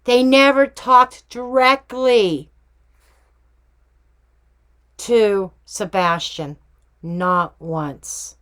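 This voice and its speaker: A woman's voice: medium pitch, drawn-out words, long pauses, fairly bright tone. A woman hosting a casual true crime tarot reading vlog, chatty and emphatic with slangy asides. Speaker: tarot reader and true crime channel host.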